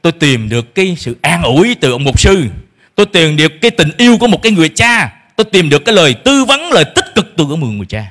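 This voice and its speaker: A man's voice: fairly high pitch, big pitch swings, fast, fairly bright tone. A middle-aged man preaching a sermon as pastor, emphatic, acting out parents' complaints in a shifting voice. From Vietnam.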